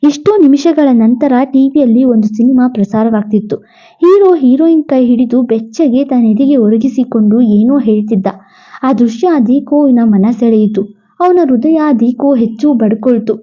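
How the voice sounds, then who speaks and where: A woman narrating a romance story in a brisk, expressive reading style. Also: a little high. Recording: dull lo-fi audio.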